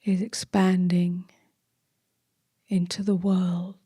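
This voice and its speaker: A woman leading a guided meditation as a teacher, speaking gently in a soft, hushed, breathy voice with long pauses between short phrases. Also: lowish voice, little pitch movement, no echo, clean studio sound.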